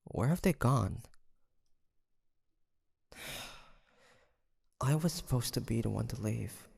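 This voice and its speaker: Man playing a husky, brooding demon hunter. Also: medium pitch, animated, darkish tone, big-room sound, full character voice. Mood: conflicted, musing. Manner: hesitant, halting, sighing soliloquy. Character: brooding, guarded young male demon hunter in 1853. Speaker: voice actor. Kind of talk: intimate audio roleplay drama.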